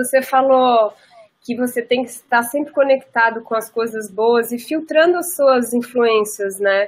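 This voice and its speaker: A woman's high-pitched voice, with ordinary pitch variation and a fairly slow pace. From São Paulo, Brazil. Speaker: surfer's wife, former environmental manager. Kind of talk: casual interview. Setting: video call from a beachside home.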